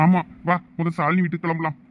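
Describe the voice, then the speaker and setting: A man's voice: on the high side, little pitch movement, quick pace, phone-quality sound, lightly acted. A man voicing a loyal, hot-tempered young male friend in a cartoon, with a Thoothukudi Tamil accent. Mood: irritated. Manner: scolding, pleading with his friend. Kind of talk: cartoon voice acting.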